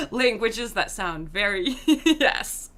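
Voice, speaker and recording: A woman's voice: fairly high pitch, sharp tone. A Swiss woman with a slight American-tinged accent, chatting casually while streaming a game and reading chat. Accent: slight American-influenced English. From Switzerland. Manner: chatty, laughs often, reads chat aloud.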